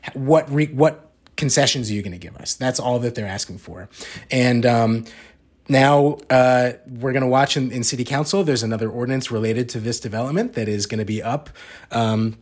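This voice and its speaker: Male podcast co-host, conversational and unhurried, mid pitch. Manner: conversational, frequent ums and asides. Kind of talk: casual news discussion.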